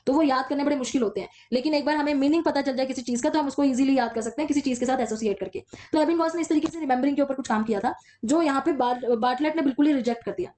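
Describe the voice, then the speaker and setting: A woman teaching an exam-prep class at a brisk clip. She works through the material step by step and slows down to read English textbook lines between her own explanations. Her voice sits high. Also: a little mellow.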